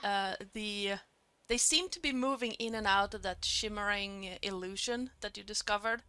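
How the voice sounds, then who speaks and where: A woman with German as her first language, running a tabletop game as game master, talking in halting bursts full of fillers. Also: mid-range voice, sharp tone, clean tone, no room sound. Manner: halting, many fillers, quick laughs. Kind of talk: narrating a tabletop game and chatting.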